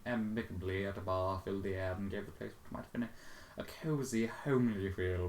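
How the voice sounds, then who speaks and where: A man giving a dramatic reading with exasperated, sweary commentary and sudden loud outbursts. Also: sits low, reverberant, slight background noise. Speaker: fan fiction reader and commentator.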